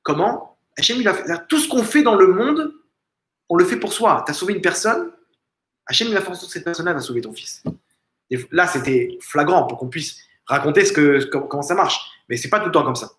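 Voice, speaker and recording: Emphatic rabbi, higher-pitched man. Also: animated, brisk, a bit bright. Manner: emphatic, fond of rhetorical questions and repeated phrases; frequent restarts and stumbles. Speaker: rabbi giving a lesson. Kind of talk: informal religious lesson. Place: family home. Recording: echoey room.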